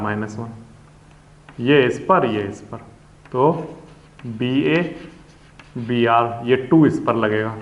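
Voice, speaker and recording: Patient male teacher in a roomy, dull room. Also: medium pitch. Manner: patient, repeats steps and checks in with students. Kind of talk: chemistry lesson to students.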